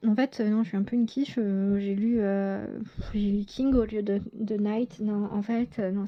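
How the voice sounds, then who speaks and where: In dull-sounding audio, a woman of medium pitch reads tarot casually for her audience, stumbling with frequent fillers and self-corrections.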